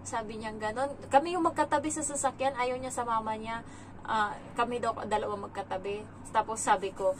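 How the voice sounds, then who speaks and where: Woman from the Philippines, domestic helper, casual vlog storytelling, animated, high voice, background noise. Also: rough recording. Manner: animated, switches between Tagalog and English.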